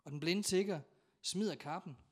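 Male preacher, slightly high voice, dramatic storyteller who acts out the voices in a church sermon. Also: a little mellow. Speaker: pastor.

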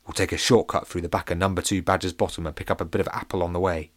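A man's voice: low voice, level tone, rapid-fire, no echo, studio quality, natural voice. A man voicing a wary, grumbling male pirate in a storybook reading. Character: gruff grumpy male pirate.

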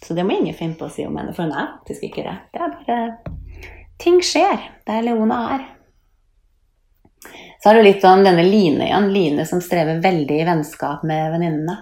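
Lively woman presenting her books. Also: on the low side. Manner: lively, chatty, with little laughs. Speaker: children's book author. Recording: echoey room.

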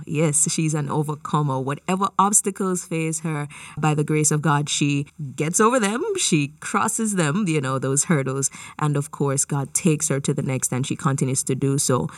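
A woman's voice: low voice, dry recording, distant mic. A woman hosting a radio interview in a studio, upbeat and chatty, often affirming her guest. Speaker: radio show host.

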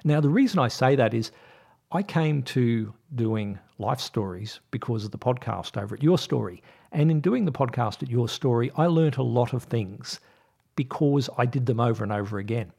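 A man's voice: mid-range voice, expressive, normal speed, gravelly, dark tone, breathy edge. A man with an Australian accent hosting a podcast, speaking to his listeners in a chatty way. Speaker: podcast host.

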